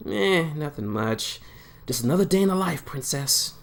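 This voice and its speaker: A man's voice: a little high, expressive, normal speed, vocal fry, voice pushed up. A man voicing a young male hedgehog hero in a fan story read aloud, breezy and modest but panicky when scared.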